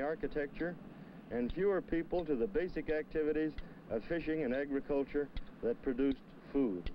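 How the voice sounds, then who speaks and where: With light background noise and a dry sound with no echo, a man with a fairly high voice speaks at a fairly quick pace with ordinary pitch variation. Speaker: anthropologist professor. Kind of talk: explanatory documentary commentary, lecture-like. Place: waterside.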